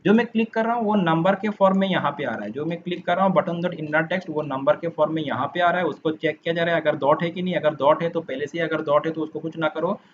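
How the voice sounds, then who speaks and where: A man's voice: on the high side, fast talker, hardly any pauses. A man teaching a programming class, talking patiently and repeating steps as he types code, with a dull lo-fi sound and faint noise. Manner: patient, repeats and rephrases while explaining. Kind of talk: coding lesson walkthrough.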